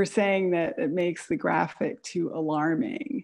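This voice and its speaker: A woman with an American accent and very wide pitch swings, over a quiet background. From Philadelphia, US. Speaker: design writer and curator; design lecturer. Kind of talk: lecture. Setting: video call from home. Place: home room. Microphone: earbuds.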